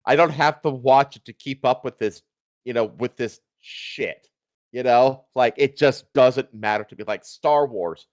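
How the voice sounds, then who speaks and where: A man's voice: medium pitch, unhurried, dry recording, clean studio sound. A man hosting a livestream, ranting casually with emphatic, repetitive, profane talk. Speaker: livestream host.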